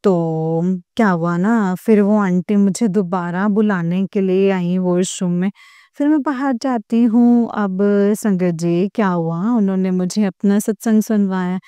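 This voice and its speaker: A woman's voice: medium pitch, unhurried, mellow, smooth, dry recording. A young woman earnestly retelling a personal devotional experience to fellow believers, full of emotion and quoted back-and-forth. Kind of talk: heartfelt personal testimony.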